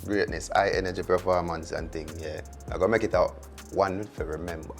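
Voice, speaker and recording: A man's voice: low voice, fairly even intonation, brisk, soft background music. A man, a performing artist talking confidently in an interview.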